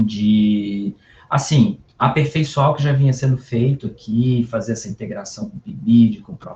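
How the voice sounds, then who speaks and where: A man's medium-pitched voice, dark and mellow in tone and somewhat breathy, with ordinary pitch variation at a fairly slow pace. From Paraná, southern Brazil. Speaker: university professor. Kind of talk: class introduction. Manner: halting, many repetitions.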